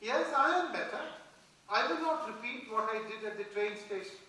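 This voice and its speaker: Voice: mid-range voice, lively intonation, moderate pace, sharp tone. An actor playing a devout, childlike and intense young Indian male mathematician in a theatrical play reading. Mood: impatient. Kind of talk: dramatised stage play reading. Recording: distant mic in very echoey hall.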